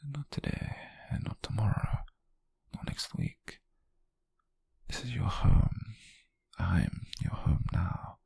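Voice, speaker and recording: A British man plays a possessive, softly menacing wealthy captor, obsessive and doting, in an intimate ASMR roleplay, fully in character. His low, breathy, husky murmur is slow and coaxing, with huge pitch swings and a mood of tender menace. He's close to the mic, and the sound is dry with no room tone.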